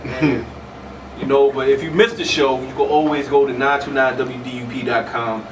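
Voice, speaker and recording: A man's voice: mid-range voice, flat delivery, moderate pace, far from the mic, background noise. A man hosting a casual radio show, talking in a slangy, laid-back way in a studio. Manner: slangy, laid-back, says "you know what I'm saying" often.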